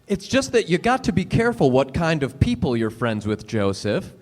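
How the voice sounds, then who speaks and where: A man reading a dramatic monologue as an earnest, scolding big brother talking to his little brother, with halting delivery. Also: fairly high pitch, big pitch swings, a little mellow. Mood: earnest, wistful.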